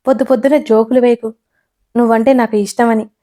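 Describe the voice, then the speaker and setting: A woman's voice: a little high, fairly even intonation, a little fast, dark tone, lightly acted. Woman doing a mocking young husband. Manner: teasing, sarcastic.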